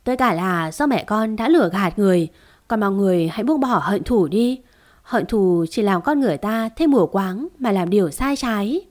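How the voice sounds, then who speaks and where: A woman's voice: medium pitch, expressive, moderate pace, natural voice. Storybook role: remorseful young son, pleading; woman narrator reads it. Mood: earnest. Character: young man, wounded, repentant son.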